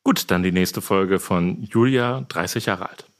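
A man with a fairly low voice runs a podcast quiz. He reads out questions and makes short rulings as the quizmaster. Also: a little slow. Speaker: producer acting as quizmaster.

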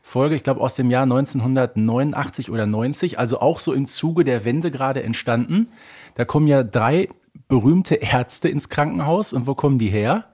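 A man in his thirties with a husky, slightly rough voice at a medium pitch. He talks as a podcast co-host in a conversational discussion style. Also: normal speed, a little mellow. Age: 30s.

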